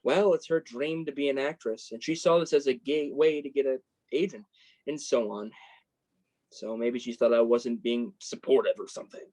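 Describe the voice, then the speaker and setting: A man's voice: medium pitch, normal speed, a little mellow, close to an everyday voice. A man playing a sensitive, embarrassed college freshman in a play reading, guarded and dryly self-deprecating. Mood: troubled, explaining. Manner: self-deprecating, dry sarcasm. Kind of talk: staged reading of a play, naturalistic dialogue.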